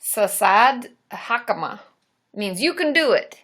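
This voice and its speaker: A woman's voice: medium pitch, sing-song, slow pace, fairly bright tone. A woman therapist hosting a live Q&A stream, chatting casually, laughing often and poking fun at herself.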